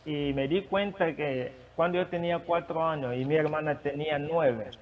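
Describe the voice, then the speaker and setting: A man who is not a native Spanish speaker, preaching and sharing a testimony, with a halting manner and many restarts. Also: fairly high pitch, far from the mic, lo-fi sound. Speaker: guest preacher. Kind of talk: sermon testimony.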